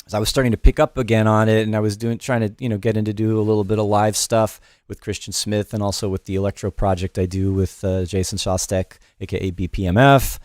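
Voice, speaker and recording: A man's voice: on the low side, little pitch movement, fast talker, few pauses, a little mellow, no echo. A middle-aged man hosting a loose, off-the-cuff livestream music production lesson from his studio, greeting chat viewers with many fillers and restarts. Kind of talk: casual livestream tutorial, chatting with viewers. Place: home studio in New York.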